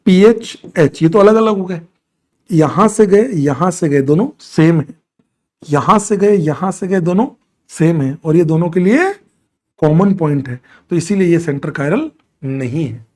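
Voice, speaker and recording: A man's voice: on the high side, animated, a little slow, a little mellow. A man teaching chemistry in a live online class, answering student doubts from the chat and scolding and teasing them as he goes.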